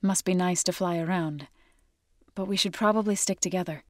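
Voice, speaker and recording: A woman's voice: lowish voice, no room sound, close to an everyday voice. Actress as game heroine: tribal woman warrior-healer, earnest, resolute, formally spoken, dry studio-clean sound. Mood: earnest, caring. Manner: measured, formal, earnest phrasing. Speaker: video game voice actor. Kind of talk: game character voice lines.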